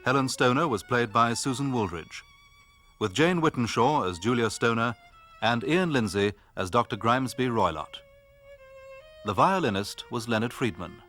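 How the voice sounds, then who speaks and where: A man announcing the closing credits of a radio drama in a formal, even manner. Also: medium pitch, moderate pace, faint music behind. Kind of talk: reading the closing cast credits.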